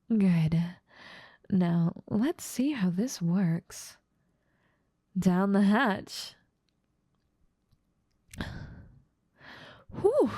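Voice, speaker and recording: A woman's voice: mid-range voice, gravelly, dark tone, dry recording, studio quality, heavily acted. A woman voicing an evil, controlling witch in an ASMR roleplay drama, speaking in a silky, doting, gloating way. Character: evil, controlling, possessive adult female witch.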